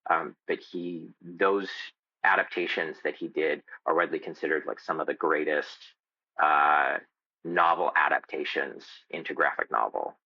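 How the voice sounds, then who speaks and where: A man talking as a podcast guest in a casual, explanatory way, halting as he thinks aloud. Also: a bass voice, fairly even intonation, no echo, dull audio. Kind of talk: casual interview chat.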